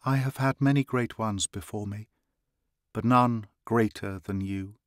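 A man reading an audiobook, voicing a middle-aged warrior chief who speaks gravely and in a subdued, measured way. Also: lowish voice, no room sound, clean studio sound, natural voice.

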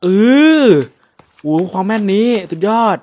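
A man casually commentating his gameplay, chatty and prone to loud sudden exclamations and swearing. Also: unhurried, slight background noise. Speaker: game streamer.

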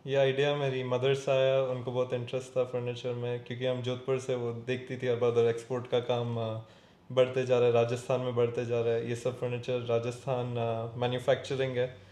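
Flat-voiced young man, echoey room. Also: medium pitch, moderate pace. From Rajasthan, India. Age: 20s. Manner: calm, switches freely between Hindi and English. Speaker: guest business owner. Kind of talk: interview answers. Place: indoor warehouse showroom. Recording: echoey room with faint ambience.

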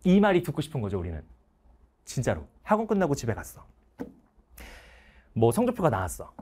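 A man's voice: medium pitch, huge pitch swings, a little fast, a little mellow, slight background noise. A middle-aged male teacher giving a motivational talk to students, acting out parents and everyday scenes as he goes. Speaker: Korean history teacher.

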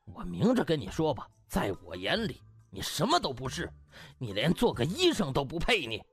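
A pompous, touchy male doctor played by a male narrator, with wildly swinging pitch. He is a blustering audiobook rival, over music. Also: wildly swooping pitch, moderate pace, a bit bright, breathy edge, exaggerated voice. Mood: indignant. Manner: pompous, blustering, obsequious to superiors. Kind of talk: audiobook character acting. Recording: music behind the voice.

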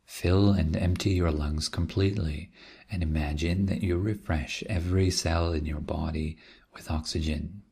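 A man with a low, husky voice leads a guided meditation. He speaks gently and calmly, leaving long pauses between short instructions. His tone often crackles with vocal fry. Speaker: meditation teacher. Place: quiet room.

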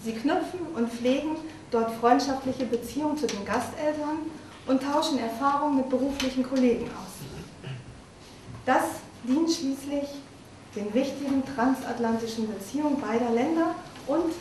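Formal high-voiced woman, echoing hall. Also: a little mellow, a little hiss or hum. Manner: formal, measured. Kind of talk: prepared speech. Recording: echoey hall from far off.

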